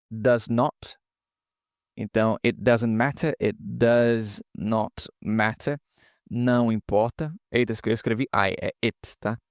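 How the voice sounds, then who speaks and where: Studio-quality audio with no echo captures a medium-pitched male voice teaching English pronunciation online. The lesson is casual, moving step by step as he regularly checks in with students.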